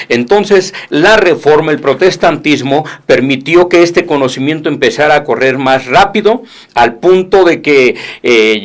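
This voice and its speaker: A man hosting a Christian radio program, talking in an earnest, preachy way with rhetorical questions. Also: mid-range voice. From Mexico.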